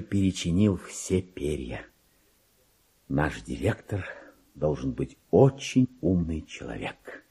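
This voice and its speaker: A self-important, excitable low-ranking clerk in a radio drama monologue. The voice is mellow but very husky and breathy, lurching widely between hushed muttering and high exclamations. He speaks his diary as if confiding great secrets, with theatrical exclamation. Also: heavily acted. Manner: exclamatory, swinging from hushed muttering to shrill rapture.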